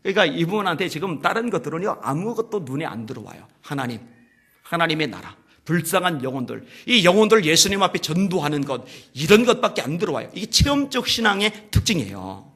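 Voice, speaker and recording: Male pastor, high bright voice, storytelling sermon, shifts from hushed to booming. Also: sing-song, brisk, slightly rough. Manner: storytelling sermon, swinging from hushed lows to loud emphatic peaks; addresses the congregation directly with rhetorical questions. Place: church service.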